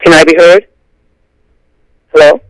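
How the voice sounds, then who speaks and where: A man with a fairly high voice calls in to live radio by phone, with little echo around him. He speaks as a caller putting a question to the host. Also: flat delivery, measured pace. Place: phone call into a radio show.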